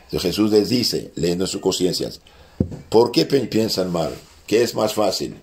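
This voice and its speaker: A man with a French accent teaching a catechism lesson as a priest, halting and restarting often as he quotes scripture aloud. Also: deep voice, animated, darkish tone.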